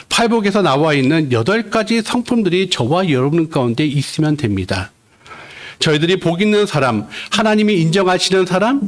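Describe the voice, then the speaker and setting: Guest pastor, middle-aged man, animated sermon delivery with a rather high pitch and questions to the congregation. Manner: explains words step by step, asks the congregation questions.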